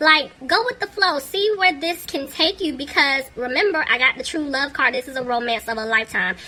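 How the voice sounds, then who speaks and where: Over noticeable background noise, a woman speaks with a high pitch and lively intonation. Her pace is fairly quick, with hardly any pauses. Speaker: tarot reader. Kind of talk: tarot reading. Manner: casual, conversational.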